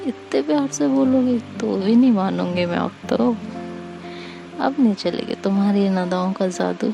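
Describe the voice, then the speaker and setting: A woman voicing a bold young woman who teases and insists with her lover, in a slow storytelling audio drama. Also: mid-range voice, vocal fry, over music, lightly acted. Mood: insistent. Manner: teasing, insistent.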